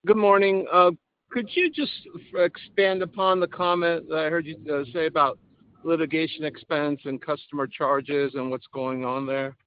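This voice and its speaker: A man asking business questions as a call analyst, in a slightly halting way. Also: on the high side, steady tone, clear, resonant tone. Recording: slightly dull call audio.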